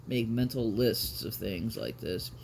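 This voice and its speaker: A man's voice: fairly low pitch, a little slow, a little mellow. A man vlogging casually, chatting and reading aloud in a rambling, self-interrupting way. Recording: clear background noise, ambient sound.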